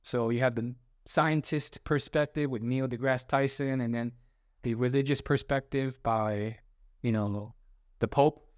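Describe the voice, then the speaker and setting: A man's voice: medium pitch, fairly even intonation, unhurried, dry recording, studio quality. A young man hosting a self-help video, talking through his advice in a rambling, casual way with many fillers and restarts. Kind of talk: casual motivational monologue.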